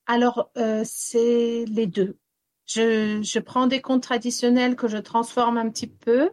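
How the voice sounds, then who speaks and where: A woman storyteller raised in Wales whose first language is English, answering interview questions haltingly with many fillers and restarts. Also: a little high, little pitch movement, darkish tone, no room sound. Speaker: storyteller guest.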